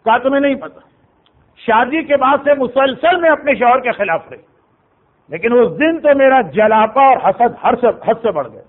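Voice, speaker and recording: A man's voice: very high voice, lively intonation. A man voicing a remorseful widow who confesses her jealousy in a lamenting first-person telling. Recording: tinny phone-like sound.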